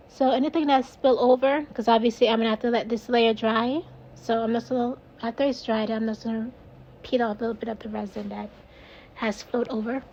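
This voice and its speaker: A woman's voice: on the high side, darkish tone, dull audio, slight background noise. A woman with a Jamaican accent casually narrating her own craft video, rambling and laughing at herself. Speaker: resin crafter, video host.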